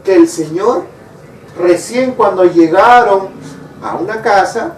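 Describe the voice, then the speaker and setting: High-voiced preacher in an echoey hall. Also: male voice, slow, darkish tone, a little hiss or hum. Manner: asks the congregation rhetorical questions. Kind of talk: sermon. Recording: echoey room, mic far off.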